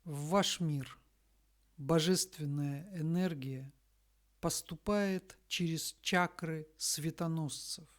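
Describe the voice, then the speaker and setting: A woman reading a scripted spiritual message in a solemn, deliberate manner, breaking it into short phrases with long pauses. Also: low voice. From Russia.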